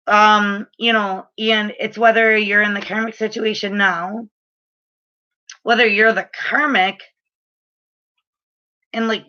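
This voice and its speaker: A woman's voice: medium pitch, bright, forceful tone, lo-fi sound. A woman in her late thirties, a spiritual reader, giving frank, chatty advice to camera with lots of filler words. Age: late 30s. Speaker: spiritual reader and energy healer.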